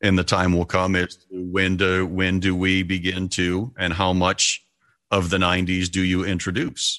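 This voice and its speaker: Against a quiet background, a man talks in a very deep, low pitch. His tone is bright and sharp, yet his intonation stays monotone and flat. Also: moderate pace. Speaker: radio broadcaster and voiceover artist. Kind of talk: casual interview.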